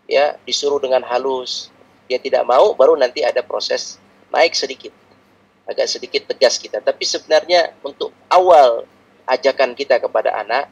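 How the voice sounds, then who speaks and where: Man, preacher, husky tone, religious lecture, patient explaining. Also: medium pitch, low-quality recording. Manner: calm explanatory teaching with many repetitions.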